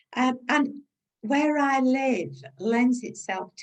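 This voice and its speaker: A woman speaks with a northern English accent. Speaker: crime novelist. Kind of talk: interview. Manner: halting.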